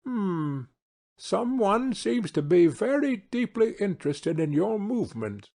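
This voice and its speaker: A man's voice: sits high, sing-song, a little slow, vocal fry, darkish tone, pitched above the performer's own voice, full character voice. A man reading an audiobook as a keen, analytical detective, courteous, with a precise, questioning delivery. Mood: probing.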